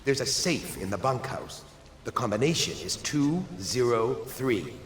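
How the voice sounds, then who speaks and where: A man's voice: medium pitch, sing-song, measured pace, a little hiss or hum. A man acting as an earnest, protective brother pleading for his sister in a video game, with reverb on the voice. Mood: earnest, grateful. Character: desperate, protective brother of an accused witch. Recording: long reverb, music underneath.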